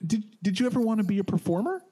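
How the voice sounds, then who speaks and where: A man's voice: high-pitched, expressive, rapid-fire, mellow, breathy edge. A man co-hosting a casual podcast interview, playful and fond of puns. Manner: playful, jokey, punning. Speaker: podcast co-host.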